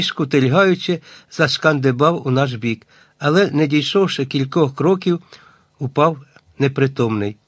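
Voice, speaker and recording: A man reading a first-person adventure novel aloud as scripted audiobook narration, measured and even. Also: on the high side, no echo.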